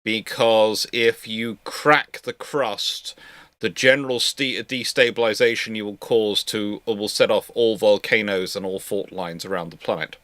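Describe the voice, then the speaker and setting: A man with a fairly low voice and a bright, forceful edge, recorded close and dry. He talks casually as on a live stream, haltingly, circling back to repeat and restart phrases as he explains. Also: steady tone, dry recording. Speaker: host of a live history Q&A stream.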